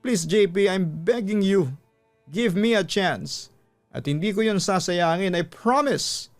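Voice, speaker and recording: A narrator acts out a cheating husband in a radio love drama, a man desperate to be forgiven. He pleads in drawn-out phrases, fairly high, with music underneath. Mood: desperate, begging. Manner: pleading, drawn-out English phrases mixed with Tagalog.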